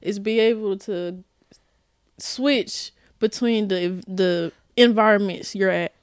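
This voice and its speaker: A woman's voice: mid-range voice, takes it slowly, clean tone, no room sound, studio quality. A woman with an African American English accent chatting casually as an interview guest, frank, slangy and swearing freely. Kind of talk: casual chat.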